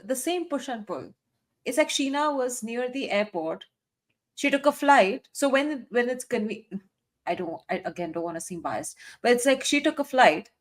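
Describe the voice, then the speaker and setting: Woman cohost, kinda high voice, super animated, incredulous n emphatic casual commentary. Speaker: podcast co-host. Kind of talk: casual commentary, reacting to played calls.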